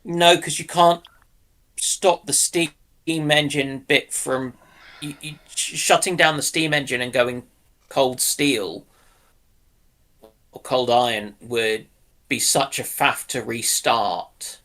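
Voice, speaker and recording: A man with a bright voice at medium pitch. He talks casually as a panelist, pausing and restarting while he thinks through his ideas. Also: steady tone. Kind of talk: casual speculative discussion.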